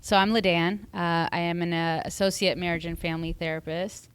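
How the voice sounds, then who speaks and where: A woman's voice: on the low side, fairly even intonation, brisk, smooth. A woman therapist from the US talking on a podcast panel, thoughtful and hesitant with frequent fillers. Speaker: marriage and family therapist. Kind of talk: casual panel chat.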